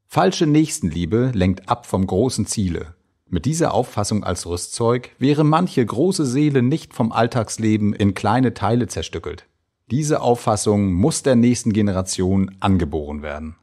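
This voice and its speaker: A man giving a measured, expressive reading of old letters and diary entries. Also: lowish voice. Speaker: reader.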